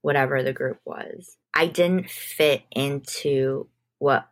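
A woman's voice: a bass voice, steady tone, slow. A woman as an interview guest, telling stories in a casual, informal way and often saying "like". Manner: informal, peppered with "like". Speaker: podcast guest, music manager. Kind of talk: casual conversational storytelling.

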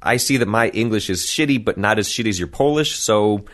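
American guy on a podcast, deep voice, swears a lot, does voices when telling stories. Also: fairly quick. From United States. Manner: profane, animated storytelling with mimicked voices. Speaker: podcast guest. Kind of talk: casual storytelling.

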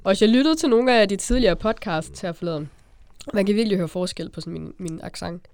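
A teenage woman with a Zealand Danish accent, co-hosting a casual podcast and telling stories in a chatty, animated way. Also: medium pitch, smooth, no echo. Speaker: podcast co-host.

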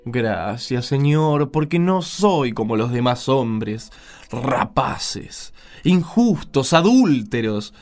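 A man's voice: mid-range voice, very animated, slow pace, darkish tone. A man playing a proud, self-righteous Pharisee at prayer in a radio drama, pompous, scornful and declamatory. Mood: smug, scornful. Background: music.

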